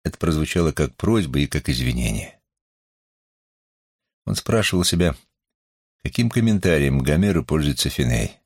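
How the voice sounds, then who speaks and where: A man with an extremely low, husky, gravelly voice reads a novel aloud. He narrates in a measured, expressive way, with a lively, wide-ranging melody. The recording is close and dry. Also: dry recording. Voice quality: husky, creaky. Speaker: audiobook narrator. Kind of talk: expressive literary audiobook reading.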